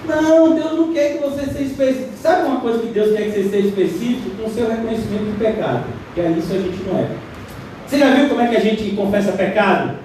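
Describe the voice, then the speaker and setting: A man with a Brazilian Portuguese accent preaching a lively, conversational sermon as a pastor, often mimicking other voices. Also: high-pitched, fast talker, slight background noise. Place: church hall. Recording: distant, very echoey church hall.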